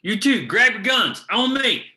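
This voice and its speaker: A man playing a worried, protective ally of striking miners in a script read, urgent and forceful. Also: high voice, sing-song, a little slow, full character voice. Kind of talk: screenplay table read.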